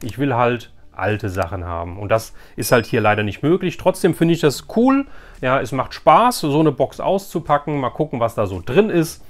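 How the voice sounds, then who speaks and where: A man's voice: medium pitch, very animated, normal speed. A man hosting a casual, unscripted vlog, thinking aloud and addressing his viewers directly in colloquial language. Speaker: YouTube host reviewing an unboxed loot box.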